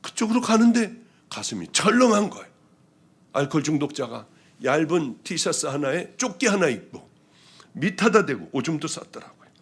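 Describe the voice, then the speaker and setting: A male pastor giving a testimony sermon, telling his story with strong feeling and moving between hushed and loud passages. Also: on the high side, very animated, moderate pace, breathy edge.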